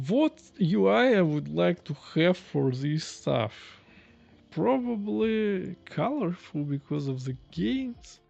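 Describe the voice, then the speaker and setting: A man's voice: a little high, creaky, a little mellow, dull audio. A man, chatting casually while live-coding and thinking aloud on a stream from a small room. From Russia. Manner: thinking aloud, chatty, reading chat questions. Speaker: streamer, indie developer.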